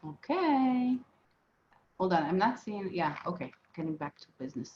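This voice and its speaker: A woman's voice: lowish voice, quick pace. A woman with a Southern US accent teaching a live class in a casual way, with many fillers and restarts. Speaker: instructor. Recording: echoey, muffled room sound.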